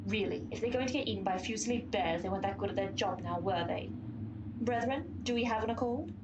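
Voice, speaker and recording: A woman's voice: mid-range voice, fast, muffled recording, background noise, lightly acted. A woman playing an eloquent, scheming white horse of pestilence in a comic radio play, grandiose and silky. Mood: coolly persuasive.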